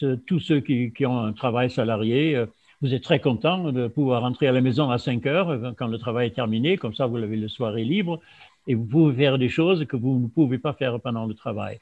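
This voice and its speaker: A man from Germany whose first language is German, giving an informal talk with many pauses and restarts. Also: medium pitch, darkish tone. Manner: halting, many fillers and restarts. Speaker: speaker on fasting. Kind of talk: informal lecture to an audience. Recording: dull lo-fi sound.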